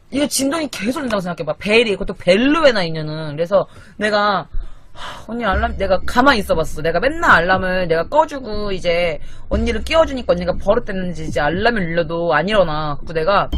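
A woman's voice: medium pitch, fairly bright tone, dry recording. A young woman from Korea livestreaming from her apartment at night, swearing casually and venting in an exasperated way. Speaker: live streamer. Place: small apartment at night, sister asleep in the loft. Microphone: desk microphone.

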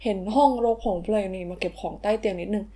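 A woman's voice: medium pitch, quick pace, dark tone, pitched below the performer's own voice, close to an everyday voice. A woman voicing a young boy in a toy story, stammering out excuses after taking money. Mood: defensive.

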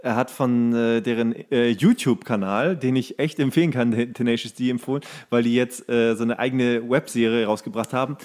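A man's voice: mid-range voice, steady tone, brisk, few pauses, darkish tone. A man co-hosting a podcast in a casual, conversational style. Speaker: podcast co-host. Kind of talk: casual chat.

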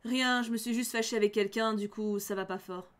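A woman reading out a gloomy, sulky young man's lines from a story game in a plain, flat manner. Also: a little high, fairly quick, pitched below the performer's own voice, lightly acted.

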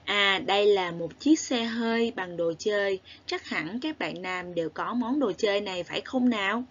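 A woman with a southern Vietnamese accent teaching a recorded lesson to young children, spelling sounds aloud clearly and praising the class. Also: medium pitch, normal speed, highs cut off. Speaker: primary school teacher.

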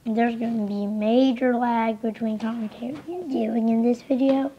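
A young woman casually commenting on a game she is playing, a little hoarse from being sick, rambling and easily distracted. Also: fairly high pitch, steady tone, normal speed, slight background noise. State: losing voice, sick. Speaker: gameplay commentator. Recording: slightly dull lo-fi home recording.

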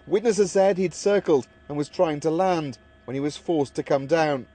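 A man's voice: a little high, moderate pace, background noise. A man narrating a scripted television news report as the reporter.

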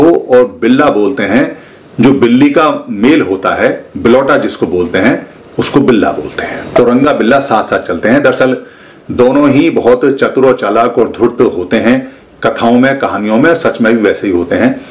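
A man's voice: medium pitch, moderate pace. A man narrating a moral folk tale in a casual, explanatory way, repeating himself and digressing into word meanings. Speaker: storyteller.

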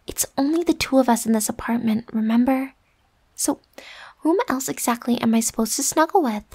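A woman acts out a young tsundere roommate in an ASMR roleplay, her voice set high. She is huffy and bossy, quick to get defensive, with a secret soft side and breathy whispered asides. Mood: bossy, sleepy.

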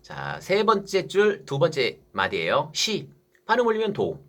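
A man's voice: fairly high pitch, sing-song, unhurried, gravelly, fairly bright tone. A man teaching basic music theory for saxophone, asking his students questions and answering them himself.

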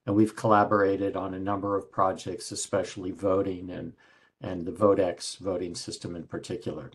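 An older man hosting a seminar over a video call, introducing a speaker in a halting, hesitant way. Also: low-pitched, little pitch movement, breathy edge.

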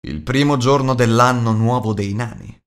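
A man's voice: medium pitch, moderate pace, natural voice. Man acting a dwarf lord, proud, solemn, declamatory, storybook fantasy. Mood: proud, emphatic.

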